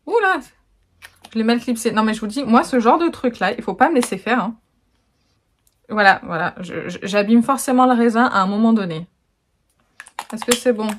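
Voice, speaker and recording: A woman's voice: a little high, animated, normal speed, long pauses. Chatty French woman vlogging at home. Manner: chatty, laughs often, many fillers. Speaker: beauty vlogger. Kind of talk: casual vlog chat. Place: home, indoors.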